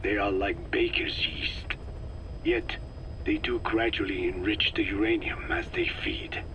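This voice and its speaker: An actor playing a grieving, solemn elderly Native American scientist in a video game, speaking in a hushed, breathy, deliberate way. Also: male voice, fairly low pitch, fairly even intonation, muffled recording, slight background noise. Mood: grave, explanatory. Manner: slow, deliberate, measured phrasing. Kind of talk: dramatic video game dialogue.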